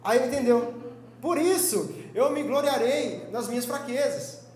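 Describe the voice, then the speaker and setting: A young man with a Brazilian Portuguese accent teaching a Sunday school sermon in a lively, joking, conversational way. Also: very high voice, moderate pace, reverberant, slight background noise. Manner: lively, joking, conversational preaching with quoted voices. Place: church hall.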